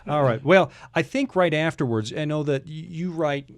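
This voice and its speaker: A man's voice: a little high, normal speed. A man hosting a casual studio interview in a conversational manner. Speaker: host.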